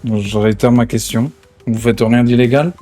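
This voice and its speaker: A man's voice: mid-range voice, steady tone, moderate pace, dark tone. A man with a mid-range voice improvises in a game roleplay. He talks like someone in charge, casual and full of slang, with light music underneath. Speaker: streamer role-playing a gang boss in an online game.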